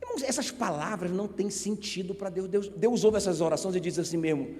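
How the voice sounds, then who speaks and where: Emphatic pastor preaching in an echoing hall. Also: male voice, high voice, fairly quick. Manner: emphatic, calls on the congregation to shout back; asks the crowd rhetorical questions. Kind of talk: sermon. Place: church sanctuary. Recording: reverberant church hall.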